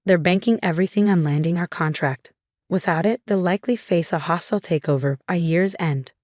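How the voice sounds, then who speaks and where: A woman reading as a brisk female assistant. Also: on the low side, a little mellow, no room sound, clean studio sound, natural voice. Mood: businesslike. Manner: businesslike reporting.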